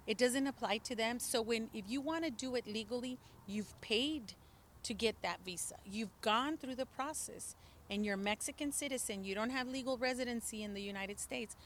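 A woman's voice: a little high, moderate pace, a little hiss or hum. A middle-aged woman from a border city, a native Spanish speaker, speaking earnestly and emphatically as an interview guest outdoors. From El Paso, Texas border region. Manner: earnest, emphatic, some restarts. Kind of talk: impassioned political testimony.

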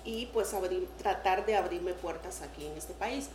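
A woman's voice: lowish voice, normal speed, a little mellow. A woman from Honduras with a Honduran accent, a guest in a casual interview, speaking earnestly and often laughing while she tells her stories. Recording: echoey room with faint noise.

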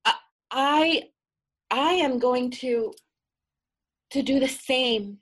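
A woman's voice: high-pitched, very slow, pitched above the performer's own voice, full character voice. A woman voicing a naive young village girl who asks breathless, pleading questions in a storytelling. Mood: earnest.

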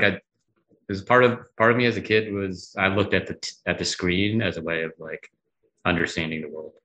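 Deep-voiced, thoughtful man. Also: pushed and bright, dull audio. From Massachusetts, US. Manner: thoughtful, hesitant, many fillers. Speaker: guest. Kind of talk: conversational interview.

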